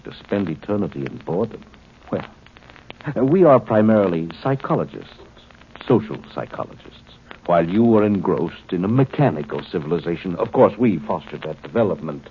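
An actor playing a coolly superior alien commander in human form, speaking formally and condescendingly in a 1950s radio drama. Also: male voice, deep voice, very animated. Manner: formal, condescending, measured explanations. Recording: tinny, noisy 1950s radio recording.

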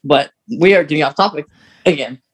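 A man with a somewhat high-pitched voice co-hosts a fan podcast. He talks casually and tends to hesitate, backing up to begin a thought again. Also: a little fast, husky. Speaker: podcast co-host.

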